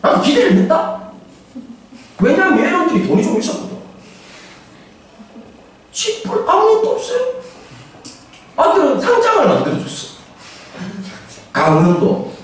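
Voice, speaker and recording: A pastor in his forties giving a humorous, animated sermon, now and then acting out voices and shouting for effect. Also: very high voice, measured pace, pauses often. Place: church sanctuary. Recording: echoey church hall, distant mic, faint ambience.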